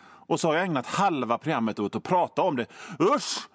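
A man's voice: fairly high pitch, animated, dry recording. A male radio host delivering a comedic monologue in a sardonic, mock-grumpy ranting manner into a studio microphone.

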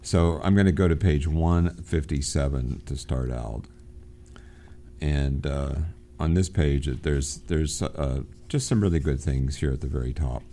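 A man with a very low, mellow voice teaching literature on a recorded program. He talks in an unhurried way, often pausing on fillers and restarting his sentences. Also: a little hiss or hum.

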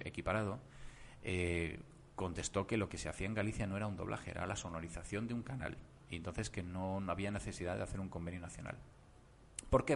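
A man who works as a voice actor, guesting on a podcast and telling stories in an animated way with lots of asides. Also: deep voice, slight background noise. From Germany. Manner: animated storytelling, many asides. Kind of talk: casual podcast interview.

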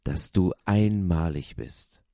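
Guy doing a big gentle woodcarver, deep strong voice, reassuring, dark tone. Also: lively intonation, no room sound, studio quality, full character voice. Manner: warm, reassuring, slow. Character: big bearded kindly male woodcarver.

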